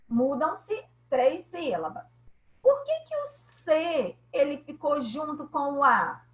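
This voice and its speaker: A Brazilian woman teaching a class over a video call, her voice high and her pace unhurried. She explains patiently and keeps checking that students follow. The sound carries the echo of the room she is in. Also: fairly bright tone. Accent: Brazilian Portuguese. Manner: slow, patient, checks understanding often. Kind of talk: online class lecture.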